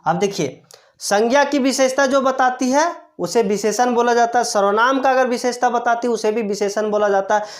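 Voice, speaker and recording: With a fairly high-pitched voice at normal speed, a woman teaches grammar the way one would in class. She goes step by step, answers her own rhetorical questions, and repeats each important term.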